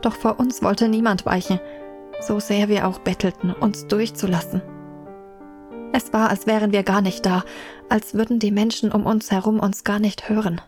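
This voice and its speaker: A woman playing a reflective first-person narrator in a German radio play, telling a medieval tale in measured literary style. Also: medium pitch, little pitch movement, darkish tone, lightly acted. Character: reflective female narrator recalling her medieval childhood. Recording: music behind the voice.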